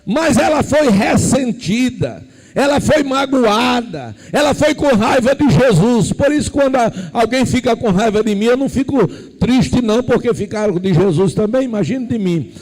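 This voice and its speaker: Animated preacher, high voice. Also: male voice, normal speed, low-quality recording. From Brazil. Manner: animated storytelling preaching, swinging from quiet asides to shouted emphasis. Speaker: pastor. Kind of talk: sermon.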